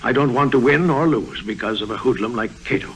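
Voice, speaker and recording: A man's voice: medium pitch, a little fast, fairly bright tone, a little hiss or hum, close to an everyday voice, low-quality recording. A man playing a flustered governor. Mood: earnest. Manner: earnest, flustered. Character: worried, pompous middle-aged male governor. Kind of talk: 1950s radio drama acting. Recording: old vintage radio broadcast.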